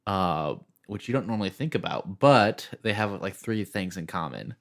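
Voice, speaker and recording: Deep, lively, bright-voiced man podcaster. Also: moderate pace, creaky. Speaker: podcast co-host. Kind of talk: casual music discussion.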